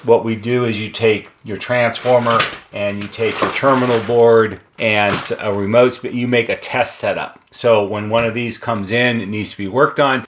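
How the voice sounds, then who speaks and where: Low-voiced man casually explaining equipment. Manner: explanatory, thinking aloud. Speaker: intercom repair technician presenting equipment. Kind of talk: casual unscripted hands-on product walkthrough.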